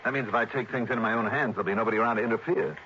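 An actor playing a tough, wry insurance investigator who talks brisk and insistent. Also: male voice, lowish voice, pushed and bright. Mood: determined. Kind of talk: 1960s radio drama acting. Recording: muffled old radio broadcast with hiss.

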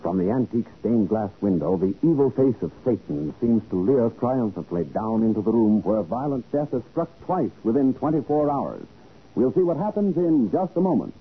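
Animated 1940s male radio announcer. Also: mid-range voice, normal speed, slight background noise. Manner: theatrical, polished. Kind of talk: 1940s dramatic scripted narration. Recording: narrow, tinny 1940s radio recording.

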